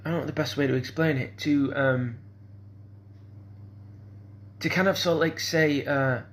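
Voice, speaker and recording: A man's voice: fairly high pitch, steady tone, a little slow. A man, speaking in a rambling, hesitant monologue full of fillers and restarts. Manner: hesitant, repeats "kind of sort of", restarts often.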